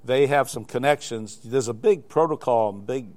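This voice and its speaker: An older man, a glider flight examiner, appears as a guest in a live studio interview, rambling through anecdotes with many restarts. His medium-pitched voice has a darkish tone and moves at normal speed.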